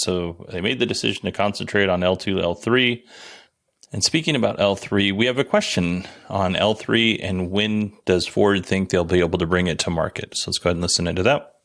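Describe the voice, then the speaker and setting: A man's voice: low-pitched, a little fast, creaky, a bit bright. A man hosting a show, explaining things to listeners in plain commentary. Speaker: host commenting on earnings call clips.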